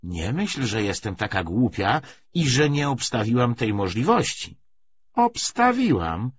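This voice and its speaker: A man reading an audiobook, voicing a defiant, threatening woman with a sharp, insistent, sardonic manner. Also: medium pitch, sing-song, measured pace, no echo, voice pushed up. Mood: fierce, threatening. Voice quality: hoarse, strained half-shout. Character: defiant, threatening woman bargaining hard for money. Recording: dull audiobook recording with faint noise.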